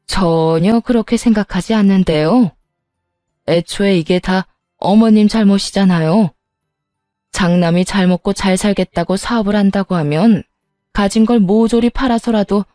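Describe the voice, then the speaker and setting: A woman's voice: medium pitch, moderate pace, warm tone, no echo, studio quality, faint music behind, natural voice. A woman doing a greedy scheming sister-in-law. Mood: demanding. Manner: sugary then brazen and demanding.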